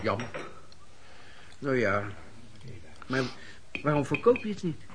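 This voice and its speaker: An actor playing a hard-up, jobless young bookkeeper, meek and wheedling, speaking haltingly in a radio drama. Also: male voice, medium pitch, very animated, background noise. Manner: halting, stammering hesitation. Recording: busy eatery, chatter and clattering dishes. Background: crowd chatter, cutlery and dishes.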